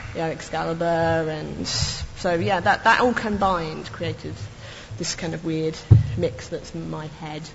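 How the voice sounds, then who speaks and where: Someone with a British accent speaks at a fairly slow pace amid noticeable background noise. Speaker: game writer on a panel. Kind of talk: panel discussion.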